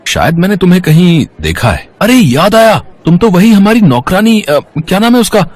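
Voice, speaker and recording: A man's voice: sits high, sing-song, normal speed. A man playing a spoiled, arrogant rich young son in a dramatised story, entitled and mocking, dropping in English words. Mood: mocking, smug. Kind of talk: dramatised Hindi story acting.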